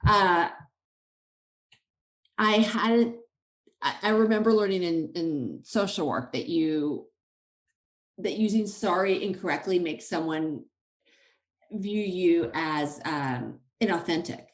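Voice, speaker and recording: A woman podcast host in a casual interview, enthusiastic but soft-spoken, trailing off as she thinks. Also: lowish voice, slow, long pauses, reverberant.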